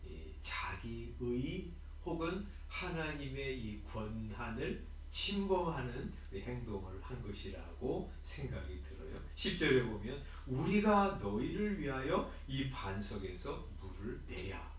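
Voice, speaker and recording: A man preaching an early morning sermon in an easygoing, conversational way, with asides and rhetorical questions. His voice sits at a middle pitch and carries through a very echoey sanctuary, picked up from some distance, with faint room noise behind. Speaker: pastor. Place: church sanctuary. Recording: very echoey church hall, mic at a distance.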